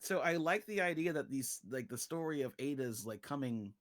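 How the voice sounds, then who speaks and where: A man's voice: mid-range voice, expressive, normal speed, no echo, clean studio sound. A man in a casual livestream chat, explaining a fictional story world in an informal, joking way. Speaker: guest, creator of an original story universe.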